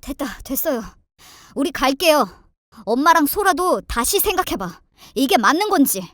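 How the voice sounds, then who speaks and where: A woman's voice: sits high, very animated, normal speed, a bit bright, no room sound, studio quality. A woman voicing an exasperated, blunt husband, confronting and reproachful, in a dramatized family story. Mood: angry, stern.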